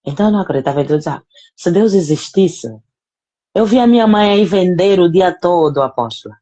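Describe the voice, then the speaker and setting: A woman's voice: fairly low pitch, expressive, a little fast, dark tone. A woman sharing a personal faith testimony in an earnest, emotional way, speaking directly to the apostle and repeating phrases for emphasis. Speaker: guest giving a testimony.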